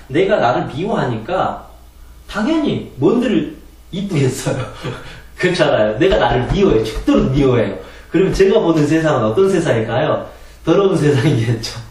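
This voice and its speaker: Heard from far off in a heavily echoing room, a man lectures about meditation and releasing anger. His voice is a little mellow, with pitch that rises and falls widely, and his earnest explanations include rhetorical questions.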